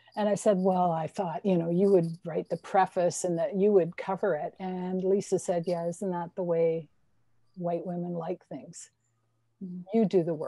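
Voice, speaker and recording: In a dry sound with no echo and a quiet background, a woman speaks at a fairly low pitch and a moderate pace, her dark, mellow tone carrying monotone, flat intonation. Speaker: essayist. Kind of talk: panel discussion. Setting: video call. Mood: wry, amused. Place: home room. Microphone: video call.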